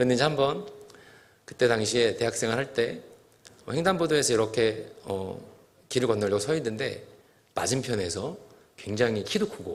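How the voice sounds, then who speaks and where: Lively intonation at a moderate pace, broken by long, frequent pauses, in audible room echo. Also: man, medium pitch for a man. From Korea, northern Chungcheongbuk-do (Jecheon area). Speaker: pastor. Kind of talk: sermon. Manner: casual conversational.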